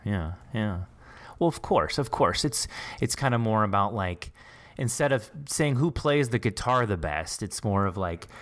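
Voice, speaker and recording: A man's voice: lowish voice, animated, a little slow. A man hosting a podcast, chatting casually with his guest. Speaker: podcast host. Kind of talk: casual interview chat.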